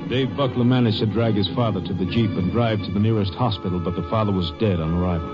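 A male narrator reads a radio drama script quickly in a lowish voice. Music plays clearly behind him on a dull vintage recording.

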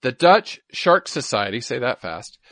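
A man's voice: mid-range voice, big pitch swings, unhurried, a bit bright, dry recording. A man co-hosting a podcast, explaining science in an informal, chatty way and often repeating himself. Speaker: podcast co-host. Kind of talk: casual science chat.

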